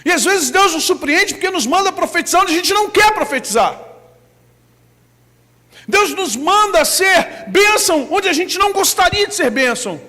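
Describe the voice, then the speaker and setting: A man with a Brazilian Portuguese accent preaching a sermon as pastor, breaking into loud shouted bursts. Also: very high voice, expressive, normal speed, long reverb tail.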